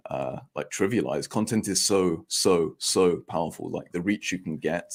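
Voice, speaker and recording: A nineteen-year-old man with a croaky voice, chatting hesitantly as a guest on a podcast with many restarts. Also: normal speed. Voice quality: croaky deep voice. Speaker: guest, media founder. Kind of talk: casual podcast chat.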